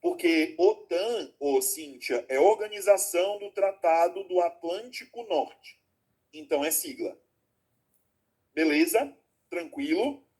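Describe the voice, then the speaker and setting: A man's voice: sits high, lively intonation, slow pace, a little mellow, breathy edge. A man teaching an online class, explaining step by step, checking in with students often and calling them affectionate names. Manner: explains with frequent check-in questions; affectionate, calls students "my loves". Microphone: video call.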